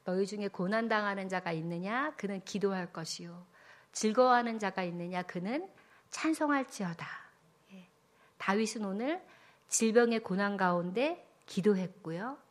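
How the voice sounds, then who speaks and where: A woman, a pastor's wife, preaching a sermon earnestly, moving between hushed whispered stretches and fervent raised emphasis. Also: medium pitch, normal speed.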